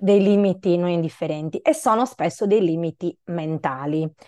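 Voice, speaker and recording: This woman's pitch shows ordinary variation, and the background is quiet. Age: 40s. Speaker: business mentor. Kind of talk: casual chat. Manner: animated.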